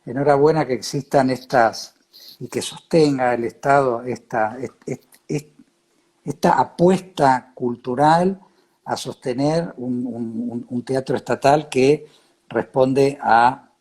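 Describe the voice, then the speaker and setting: A man with an Argentine accent in a casual interview chat, halting and repeating words as he searches for the next one. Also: mid-range voice, darkish tone, breathy edge. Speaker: interviewer with acting experience.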